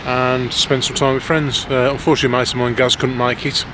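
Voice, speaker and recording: A lorry driver from the West Midlands, England, rambles casually and a little self-consciously to camera in his amateur vlog, speaking with a Black Country accent. His mid-range voice stays level and quick, with road and vehicle noise clearly audible.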